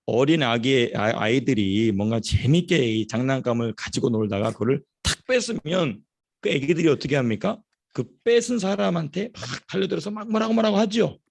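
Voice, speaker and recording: A man preaching a sermon as a pastor, telling stories in an animated way and repeating phrases for emphasis. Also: medium pitch, fairly quick, creaky. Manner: storytelling, animated. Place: church.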